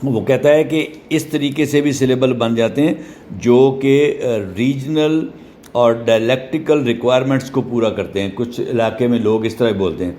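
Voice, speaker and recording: A man teaching a class, spelling words out slowly letter by letter and checking in with short questions. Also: mid-range voice, dark tone, a little hiss or hum. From Pakistan. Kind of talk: classroom lesson explaining English syllables.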